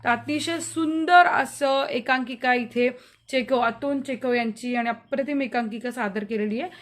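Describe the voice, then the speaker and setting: A woman's voice: a little high, a little slow. A woman teacher who reads a play aloud and explains it to her students. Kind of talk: lesson reading and explaining a play.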